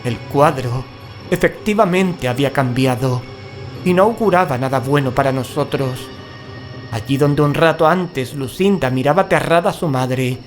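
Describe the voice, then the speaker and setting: An actor playing a frightened, cautious paranormal investigator in a horror audio drama, grave and dramatic. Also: male voice, mid-range voice, lightly acted. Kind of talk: first-person horror audio drama narration and acting.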